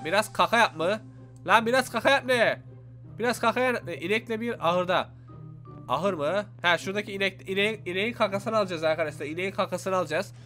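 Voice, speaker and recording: A young man narrates his gameplay in a high, bright voice, quick to exclaim and chatting straight to his viewers. His tone is sharp and energetic, with faint game music under him. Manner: animated, exclaims and talks to viewers. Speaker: gaming YouTuber. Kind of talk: excited let's-play commentary.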